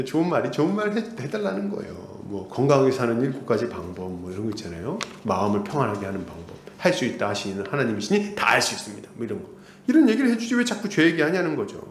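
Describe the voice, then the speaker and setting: A man's voice: mid-range voice, big pitch swings, fast talker, reverberant, a little hiss or hum. A man preaching a sermon as pastor, acting out the voices of church members he quotes. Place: church sanctuary.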